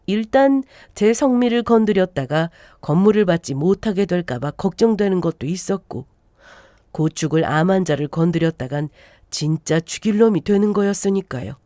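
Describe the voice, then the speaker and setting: A woman in her forties reads a first-person story aloud, her pitch rising and falling with animated, expressive turns. Her tone is mellow and darkish, and the sound is close and dry, with no room around it. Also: moderate pace, no room sound. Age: 40s. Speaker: narrator. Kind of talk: scripted story narration.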